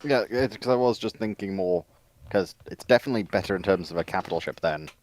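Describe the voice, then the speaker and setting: A man's voice: low voice, fast talker, darkish tone. A man chatting casually as a co-panelist on a live stream, over a slightly noisy voice-chat line with clicks.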